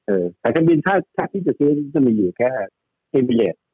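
A man's voice: mid-range voice, big pitch swings, moderate pace, slightly rough, no echo, narrow, tinny audio. A man giving casual stock market commentary, chatty and rambling, often repeating his words.

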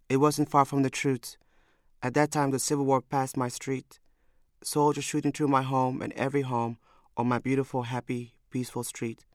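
A young man from Somalia reads a scripted first-person memoir in a measured, reflective way. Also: medium pitch, no echo, clean studio sound. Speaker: storyteller.

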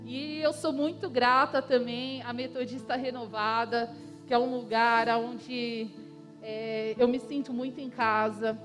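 A young woman with a fairly high voice speaks very slowly and gratefully. She thanks her congregation in a cheerful tone, and the long reverb of a church hall rings around her over soft music. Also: flat delivery. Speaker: church member giving thanks.

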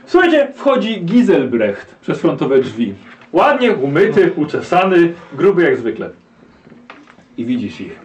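A man running a tabletop game as game master, narrating scenes in a lively way. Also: a little high, a little slow, far from the mic, highs cut off. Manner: lively storytelling, laughs along.

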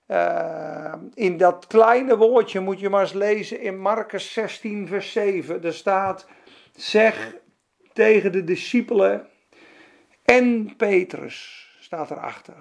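A man's voice: high voice, slow pace, gravelly. A man preaching a sermon, retelling scripture in a fervent, conversational way with casual asides.

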